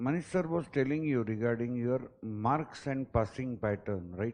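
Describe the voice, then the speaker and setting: The man has a medium pitch and an unremarkable speaking voice. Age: 50s. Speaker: teacher. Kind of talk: lecture. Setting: classroom.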